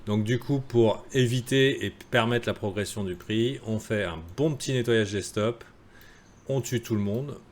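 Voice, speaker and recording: A man's voice: fairly low pitch, measured pace. A man giving a live crypto chart analysis in a casual, joking way, with many fillers and asides to viewers. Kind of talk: live-streamed market analysis.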